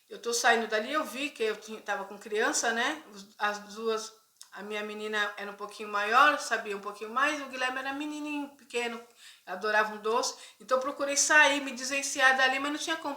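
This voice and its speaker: Brazilian woman, middle-aged, Christian vlogger: bright, chatty testimony, keeps checking in with viewers, roomy echo. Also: a little high. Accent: Brazilian Portuguese. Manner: conversational, frequent tag questions to viewers. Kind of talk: personal testimony storytelling. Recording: echoey room.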